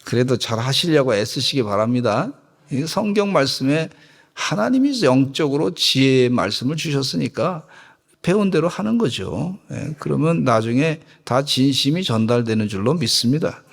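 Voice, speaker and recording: Male pastor, sermon, joking, call-and-response with congregation, animated pitch, echoey church hall. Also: moderate pace, gravelly. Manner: lively, joking, has congregation repeat phrases. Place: church sanctuary.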